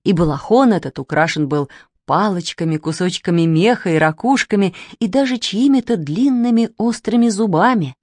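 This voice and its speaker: A woman narrating a children's storybook in an expressive, slow, deliberate way. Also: medium pitch, no echo, clean studio sound.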